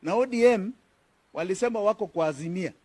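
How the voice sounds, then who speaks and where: A man's voice: sits high, fast, warm tone. A man with a Kenyan accent, a politician answering reporters' questions at a press conference in a firm, emphatic way, repeating key phrases.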